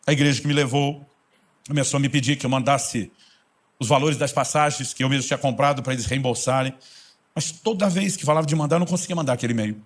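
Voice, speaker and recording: A man's voice: mid-range voice, quick pace. A man with a Brazilian Portuguese accent, preaching a sermon as a pastor and telling stories fervently.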